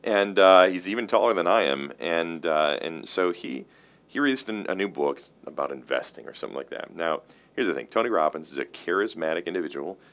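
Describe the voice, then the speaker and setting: Deep-voiced pastor explaining earnestly. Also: male voice, expressive, a little fast, fairly bright tone. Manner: earnest, explanatory, restarts and repeats words. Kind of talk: casual theological discussion.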